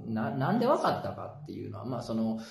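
A Kansai-accented man rattles through a late-night story at a brisk clip. His pitch jumps around in an animated way, and he keeps laughing at his own jokes. The room around him sounds echoey. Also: creaky. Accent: Kansai Japanese. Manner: animated, jokey, chuckles through anecdotes. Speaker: podcast host. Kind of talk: casual storytelling chat. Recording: roomy echo.

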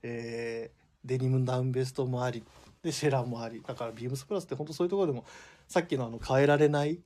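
A man's voice: mid-range voice, fairly even intonation, mellow. A man hosting a live radio show in a studio, chatting casually and joking with a guest. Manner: fast, joking, laughs often. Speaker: radio host.

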